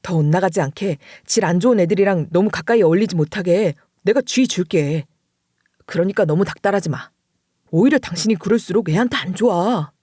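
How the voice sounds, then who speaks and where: A woman voicing a calm middle-aged husband and father in an audio story, speaking in a soothing, reassuring way. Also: lowish voice, brisk, no room sound, clean studio sound, lightly acted.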